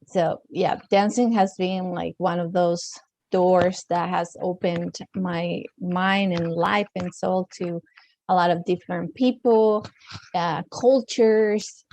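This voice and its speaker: A woman from Mexico with a Latino accent, talking casually as an interview guest in a halting, circling way with many filler phrases. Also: lowish voice, darkish tone, dry recording. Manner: halting, circling phrasing with frequent "like" and "you know". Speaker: podcast guest, dancer and author.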